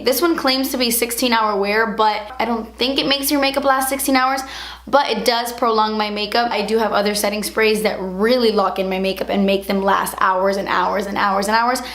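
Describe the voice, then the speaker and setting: A woman in her twenties reviewing her favorite makeup products in a chatty, gushing way, her voice a little hoarse from shouting. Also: fairly high pitch, reverberant. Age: 20s. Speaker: beauty vlogger.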